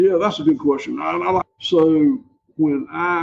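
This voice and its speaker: A man with a Southern US accent. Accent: Southern US (Georgia). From US South, southwest Georgia. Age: 60s. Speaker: farmer. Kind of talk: interview.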